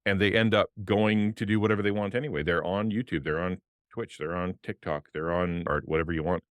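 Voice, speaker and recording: Deep-voiced passionate man on a podcast. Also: brisk, no room sound. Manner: passionate, animated, gestures with hands. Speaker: podcast guest, former pastor. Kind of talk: casual interview talk. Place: home streaming room with colored lights. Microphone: desk podcast mic on arm, headphones.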